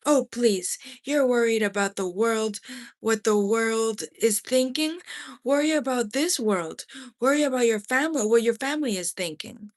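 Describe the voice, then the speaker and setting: A woman's voice: fairly high pitch, moderate pace, close to an everyday voice. A woman reading aloud in character as an indignant, defiant mother berating her husband with scornful emphasis. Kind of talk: audiobook read-aloud character voice.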